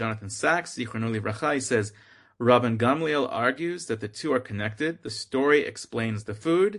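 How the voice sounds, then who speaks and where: At a moderate pace, a normal speaking voice with ordinary pitch variation comes through against a quiet background. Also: man. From US Northeast (Boston). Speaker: rabbi, online Torah teacher. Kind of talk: lecture. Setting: video call.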